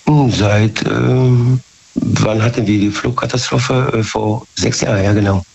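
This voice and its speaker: Hoarse man on a muffled phone line. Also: lowish voice, fairly even intonation, darkish tone. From Germany. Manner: halting, ungrammatical German, repeats "ja". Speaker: caller.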